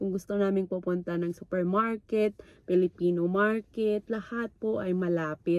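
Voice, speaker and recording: This woman is soft-spoken, with a medium pitch and fairly even intonation at a moderate pace. The sound is dry and close, with no echo. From Philippines. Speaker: vlogger. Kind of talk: casual vlog talk. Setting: in a car.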